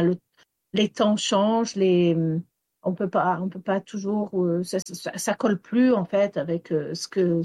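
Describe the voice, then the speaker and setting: A woman storyteller raised in Wales whose first language is English, answering interview questions haltingly with many fillers and restarts. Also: mid-range voice, darkish tone, no room sound. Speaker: storyteller guest.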